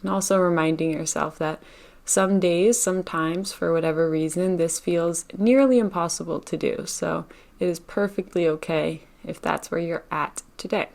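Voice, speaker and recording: A woman leading a guided meditation in a gentle, unhurried manner, leaving long pauses between phrases. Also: on the low side, steady tone, gravelly. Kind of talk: guided meditation, live session.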